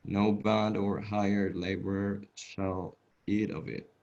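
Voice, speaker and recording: A man's voice: on the low side, little pitch movement, slow pace, vocal fry, a little mellow. A man with a non-native accent reading a scripture passage aloud to a study group over a video call, stumbling and repeating words. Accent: non-native English. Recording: dull, lo-fi video call audio.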